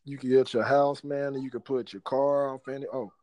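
A man's voice: medium pitch, flat delivery, a little fast, lo-fi sound, noisy background. Laid-back man bantering in slang. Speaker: podcast co-host. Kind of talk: casual chat.

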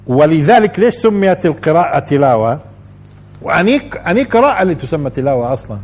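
شيخ بلهجة شامية، صوت مبحوح فيه حدة خفيفة، أسلوب تعليمي تكراري يخاطب المستمعين. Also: male voice, fairly high pitch, very animated, fast talker, a little mellow, breathy edge. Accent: Levantine Arabic. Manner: explains by repeating phrases and asking the audience questions. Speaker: religious teacher. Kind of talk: Quran commentary lesson.

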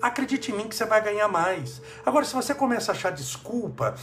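A man giving an emphatic, preachy motivational talk, rising in pitch when he scolds excuses. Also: big pitch swings, fast talker, a bit bright, soft background music. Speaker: spiritual motivational speaker.

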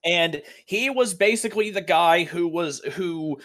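A man's voice: high-pitched, measured pace, fairly bright tone. A young man chatting casually about tabletop role-playing games, telling a long story with lots of fillers and the odd swear word. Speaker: podcast co-host, game master.

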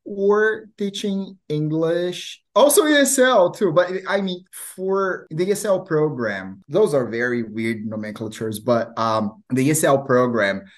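A man's voice: a little high, lively intonation, unhurried, few pauses. Young guy, lots of ums and restarts, chatty guest on a call. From Brazil. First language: Portuguese. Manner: hesitant, many fillers and restarts. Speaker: guest, language teacher. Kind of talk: casual interview chat.

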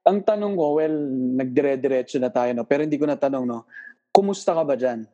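Mellow-voiced joking man hosting. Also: medium pitch, animated, fairly quick, lo-fi sound. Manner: joking, teasing, easygoing. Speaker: podcast host. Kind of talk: casual interview chat. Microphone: video call.

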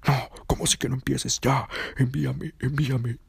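A man's voice: mid-range voice, flat delivery, normal speed, vocal fry, husky, no room sound, voice pushed up, heavily acted. A man voicing a jealous, possessive young boyfriend who fires off the same demanding questions again and again. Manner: insistent, interrogating, repeats questions.

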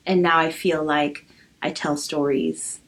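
A woman from Los Angeles in her early thirties speaks in a casual interview, her voice sitting slightly low. She talks haltingly, filling pauses with ums as she thinks aloud. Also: steady tone. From Los Angeles, USA. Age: early 30s. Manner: soft, hesitant, many pauses and ums. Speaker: podcast guest.

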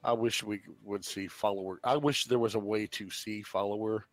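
A podcast host in his thirties, stuffed up with a head cold, chats casually on a voice call and swears easily. His voice is fairly low with fairly even intonation and a moderate pace, with no echo.

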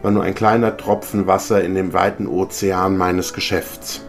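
A man voicing the tormented, chained ghost of an old business partner, speaking gravely and lamenting. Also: low voice, little pitch movement, moderate pace, soft background music. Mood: mournful.

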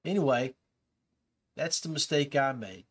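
A man's voice: medium pitch, lively intonation, measured pace. A man hosting a fishing podcast, talking casually and rambling a bit with fillers and restarts. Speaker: podcast host.

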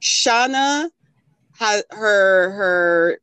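Slow-talking chatty woman host. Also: mid-range voice, animated, fairly bright tone, clear, resonant tone, no echo. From Jamaica. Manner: chatty, laughs often, runs the game. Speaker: podcast co-host. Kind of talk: casual chat.

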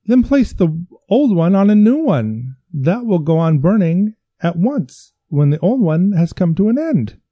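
A man voicing a desperate young physician in a story reading, with high, frantic pleading. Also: sing-song, a little slow, few pauses, dry recording, highs cut off, exaggerated voice.

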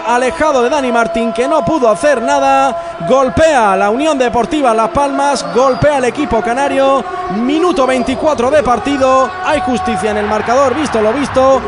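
Male football radio commentator, Spain accent, very high-pitched, impassioned play-by-play, clearly noisy outdoor recording. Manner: passionate, shouting, drawn-out exclamations.

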